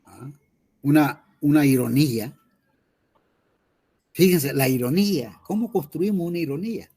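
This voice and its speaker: A man's voice: fairly high pitch, a little slow, mellow, husky. A man, a teacher lecturing his class in an online lesson, explaining patiently and often checking in with his students.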